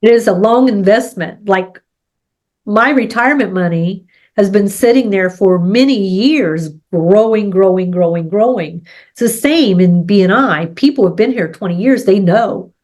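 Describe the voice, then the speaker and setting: Though she has a head cold, this middle-aged co-host keeps a casual business discussion going by explaining things with sports and farming comparisons and repeatedly asking "right?". She speaks at a normal speed in a mid-range, somewhat mellow voice.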